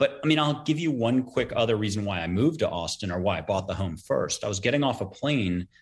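A man's very fast, somewhat breathy voice with an American accent and lively intonation, over a quiet background. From US East Coast. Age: 50s. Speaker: author and spiritual intuitive. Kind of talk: interview.

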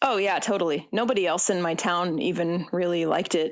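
Her pitch fairly low, a woman speaks with an American accent. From Central California. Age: 30s. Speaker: punk singer. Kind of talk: casual interview. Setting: phone call.

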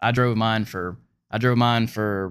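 With an American accent, a normal speaking voice delivers fairly even intonation on a very clean recording with a silent background. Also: man. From US South, Florida panhandle. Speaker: Navy veteran. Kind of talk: casual chat.

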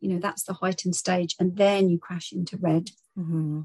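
A woman with a British accent talks at a fairly quick pace in a somewhat breathy voice, the sound dry and close with no echo. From UK. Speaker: therapist. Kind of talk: interview.

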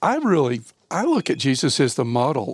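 A man's unremarkable speaking voice, medium-pitched, at a moderate pace. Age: 60s. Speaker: real estate developer and lay minister. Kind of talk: casual interview about faith. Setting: studio.

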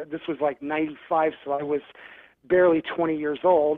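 Using an ordinary speaking voice with an American accent, a man speaks at a moderate pace with fairly high pitch and fairly even intonation. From Ohio, US Midwest. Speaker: film writer, director and producer. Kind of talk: interview.

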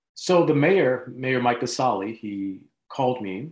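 A man speaks with an American accent at a medium pitch, an unremarkable speaking voice. His pace is fairly slow and his intonation lively. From US South, Montgomery, Alabama. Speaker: writer and community activist. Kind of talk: interview.

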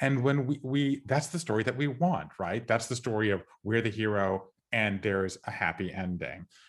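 A man with a normal speaking voice, lively intonation, an American accent and a moderate pace, over a quiet background. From US South, Savannah, Georgia. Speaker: author and speaker. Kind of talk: interview. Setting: remote call.

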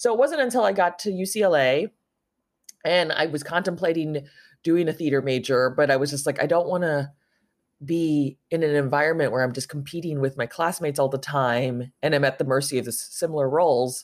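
With an American accent, the speaker talks at a fairly quick pace with ordinary pitch variation, on a very clean recording with a silent background. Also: woman, very deep, low pitch for a woman. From San Francisco, US. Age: 40s. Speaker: playwright and performance artist. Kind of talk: interview.

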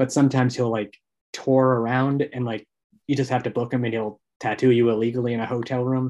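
Speaking very fast in a flat monotone, the man has a medium-pitched, dark and mellow voice with an American accent. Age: 30s. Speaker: satire website co-founder and editor. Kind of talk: casual chat. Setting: video call.

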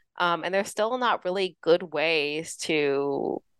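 Speaking in a plain, everyday voice with an American accent, a woman has a fairly low pitch and ordinary pitch variation, captured in a dry, close sound with no echo against a quiet background. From Southern California, Los Angeles area. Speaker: English professor and author. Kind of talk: interview about her book. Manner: many filler words (um, uh).

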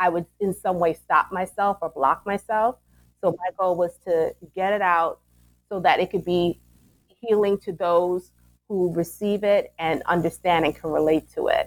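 In an American accent, a woman with a plain, everyday voice speaks at a medium pitch and moderate pace with fairly even intonation, the sound dry and close with no echo. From Brooklyn, New York. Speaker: poet and educator. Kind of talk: interview.

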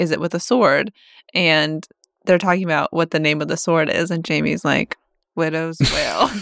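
In a dry, close recording with no echo, a woman uses a plain, everyday voice, fairly low in pitch, at a moderate pace with fairly even intonation. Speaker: podcast host. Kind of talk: casual chat.

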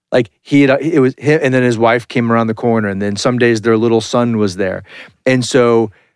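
This man has an unremarkable speaking voice with medium pitch. His intonation is fairly even and his pace moderate. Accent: American. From US Midwest, St. Louis area. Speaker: podcast host. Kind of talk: casual chat.

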